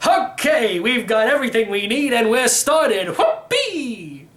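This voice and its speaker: A man's voice: extremely high pitch, big pitch swings, measured pace, background noise, voice pushed up, full character voice. A man voicing an elderly, slightly crazy uncle in a storybook, rambling and teasing with theatrical emphasis. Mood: excited, urging. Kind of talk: acted storybook reading.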